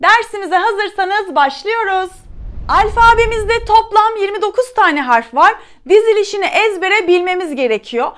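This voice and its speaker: A woman teacher from Turkey giving a lesson to young schoolchildren, slowly and clearly sounding out letters one by one. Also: extremely high pitch, expressive, a bit bright. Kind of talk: children's lesson.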